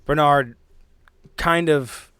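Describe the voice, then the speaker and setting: A man's voice: fairly high pitch, extremely slow, pushed and bright, clean tone, no room sound. A man on a tabletop role-play podcast, narrating casually and rephrasing as he thinks.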